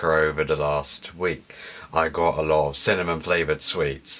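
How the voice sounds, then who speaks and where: A hoarse, put-on character voice from a man, very deep and low, at a moderate pace. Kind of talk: casual vlog chat.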